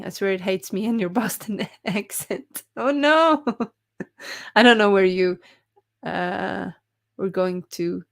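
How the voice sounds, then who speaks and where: A woman's voice: mid-range voice, creaky. A young woman hosting a writing live stream, reading chat comments aloud in a cheerful, giggly way.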